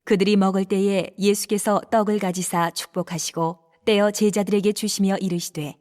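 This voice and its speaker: A woman narrates scripture for an audio Bible drama. Her voice sits in a middle register, and she tells the story in a steady, even manner, keeping the action flowing between the spoken lines. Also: mid-range voice, normal speed.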